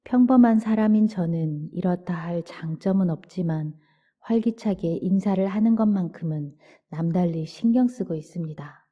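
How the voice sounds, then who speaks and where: A low-pitched woman reads a book aloud for listeners drifting off to sleep. Her delivery is soft, unhurried and gentle, at times sinking almost to a whisper. The recording sounds dull and lo-fi. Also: husky. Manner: soft, slow and gentle, sometimes near a whisper. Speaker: audiobook narrator. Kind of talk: calm bedtime book reading. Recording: dull lo-fi audio.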